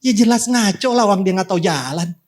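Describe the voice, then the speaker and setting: A male pastor preaches in church in a casual, slangy way, repeatedly speaking straight to the congregation. His voice sits high, expressive and brisk.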